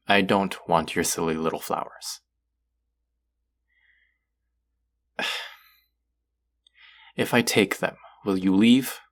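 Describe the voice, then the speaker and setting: An actor playing a stern, haughty god of the underworld in an audio roleplay, speaking formally with an exasperated, grudging manner. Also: male voice, sits low, heavily acted. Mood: grudging, flustered. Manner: imperious, exasperated, formal speech with sighs. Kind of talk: scripted character audio roleplay.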